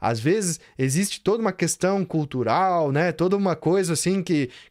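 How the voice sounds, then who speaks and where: Speaking with a southern Brazilian accent, a man has a high pitch and ordinary pitch variation. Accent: gaúcho accent, noticeable. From Rio Grande do Sul, southern Brazil. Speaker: spiritual course teacher. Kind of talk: live online lecture.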